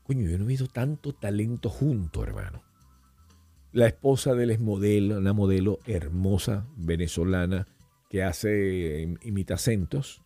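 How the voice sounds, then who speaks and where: A middle-aged man, appearing as a podcast guest, tells stories in a casual chat, animatedly slipping into voices and accents. His voice sits lowish and moves at a moderate pace, with no echo and faint music in the background.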